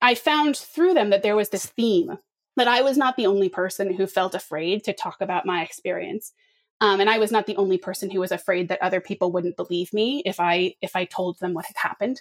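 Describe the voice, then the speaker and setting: The pace is fairly quick. The pitch shows ordinary variation. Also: woman, medium pitch for a woman. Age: 20s. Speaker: author and activist. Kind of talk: interview conversation. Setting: remote call from home.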